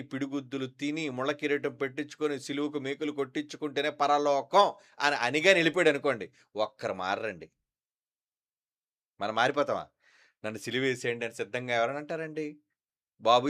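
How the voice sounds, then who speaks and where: A man's voice: medium pitch, a bit bright. A man preaching a sermon, firing rhetorical questions at the congregation and declaiming scripture passages with emphasis. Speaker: pastor.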